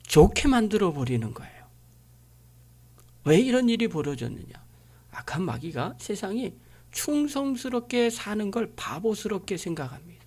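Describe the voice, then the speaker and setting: A woman's voice: medium pitch, very animated, normal speed, dark tone. A woman pastor delivering a sermon, driving her points home with frequent rhetorical questions.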